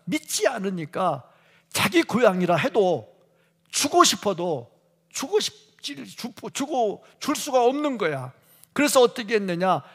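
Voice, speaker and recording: A man delivers a sermon in a fairly high voice that swoops up and down with energy. He talks to the congregation casually, throwing out rhetorical questions and laughing now and then. The sound rings with the long reverb of a church sanctuary. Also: gravelly, slightly rough. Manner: animated, conversational preaching with rhetorical questions. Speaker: preacher.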